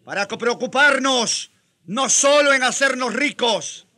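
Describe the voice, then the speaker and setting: Fervent high-pitched colonial Christian man. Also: bright, forceful tone, heavily acted. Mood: fervent, pleading. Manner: fervent, slow preaching declamation. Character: impassioned colonial Christian man denouncing wrongs against Indians. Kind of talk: radio drama acting.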